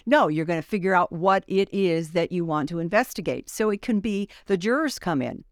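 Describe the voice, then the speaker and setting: Chatty woman with a lowish voice. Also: expressive, a little fast, dry recording, clean studio sound. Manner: chatty, explains with asides and self-corrections. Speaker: guest, former grand juror. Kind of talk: casual explanatory chat.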